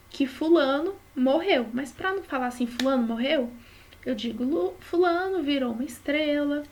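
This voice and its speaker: A woman with a Brazilian Portuguese accent teaching a study lesson, explaining patiently and often checking in with short tag questions. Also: a little high.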